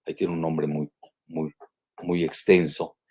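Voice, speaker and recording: An older man with a Mexican accent talks through the news live in a low, slightly husky voice. He digresses often, with frequent "eh" fillers and self-corrections. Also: little pitch movement, a little slow, a little mellow. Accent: Mexican Spanish. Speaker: geopolitical analyst hosting a weekly live show. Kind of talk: live commentary, reading and remarking on news.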